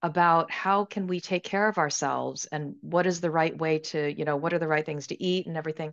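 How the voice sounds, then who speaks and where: A woman with an American accent and an ordinary speaking voice talks at a fairly quick pace, her pitch fairly low and her intonation fairly even. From US Northeast, Connecticut. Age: 50s. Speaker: author and leadership educator. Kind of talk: casual interview.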